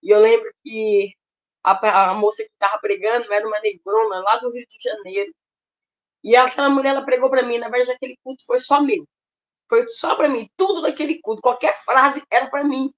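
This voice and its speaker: A woman's voice: a little high, steady tone, fairly quick. A Brazilian woman shares her personal conversion testimony in an emotional, storytelling manner, often turning to address her listeners directly. The recording sounds somewhat dull and lo-fi. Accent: Brazilian Portuguese. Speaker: testimony speaker at a ministry.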